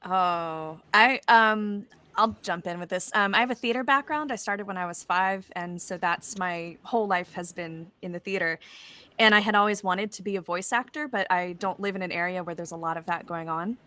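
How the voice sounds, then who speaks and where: A woman's voice: fairly low pitch, normal speed, bright, forceful tone. Woman chatting casually as a panelist. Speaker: panelist, audio drama creator.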